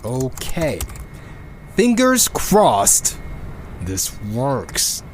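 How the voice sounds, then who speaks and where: A man's voice: medium pitch, huge pitch swings, very slow, slight background noise, heavily acted. A man playing a geeky, exasperated rocket programmer who rambles and swears through a casual audio log in a sci-fi drama. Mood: flustered. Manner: rambling, self-interrupting, swearing.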